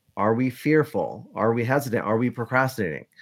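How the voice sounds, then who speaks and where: In a very clean recording with a silent background, a man with an American accent uses a plain, everyday voice at a medium pitch, talking at a fairly quick pace with ordinary pitch variation. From upstate New York. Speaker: communication coach. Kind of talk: interview.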